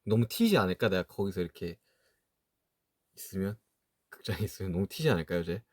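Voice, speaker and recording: Guy around 30 on a live stream, kinda low voice, dry close sound, mumbles and drifts off mid thought. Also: expressive, a little fast, dry recording. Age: 30s. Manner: musing, trails off, soft laughs. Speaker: livestream host reading chat. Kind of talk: casual livestream chat.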